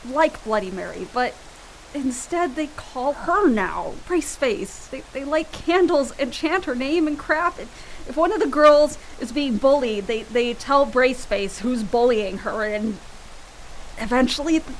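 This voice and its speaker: Actress as an anxious, high-voiced haunted woman. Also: expressive, a little slow, slight background noise, poor audio. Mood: agitated. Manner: hesitant, stammering, pleading. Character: anxious grieving woman, tipsy, haunted by guilt and fear. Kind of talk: radio play acting.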